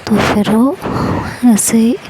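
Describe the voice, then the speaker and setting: A woman's voice: fairly high pitch, takes it slowly, background noise. A woman narrating a love story in a casual, chatty, conversational way.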